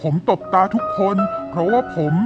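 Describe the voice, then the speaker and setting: A man's voice: moderate pace, lo-fi sound, music in the background, close to an everyday voice. A man playing a polite, earnest company president who poses as a poor beggar in a cartoon story. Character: company president posing as a blind, grateful beggar.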